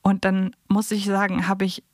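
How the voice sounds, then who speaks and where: A woman with a medium-pitched voice talks as a podcast co-host. She is casual, colloquial and playful in how she tells things. The recording is dry and echo-free. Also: completely flat delivery, moderate pace. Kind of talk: casual chat, personal anecdotes.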